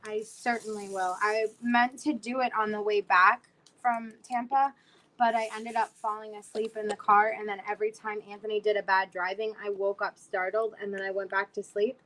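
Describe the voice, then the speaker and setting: This livestream host is a chatty woman in her twenties from South Florida whose voice is worn out and nearly gone after losing it, yet she rambles on casually with many fillers. She speaks at medium pitch and normal speed, with a level, fairly bright tone, over poor audio.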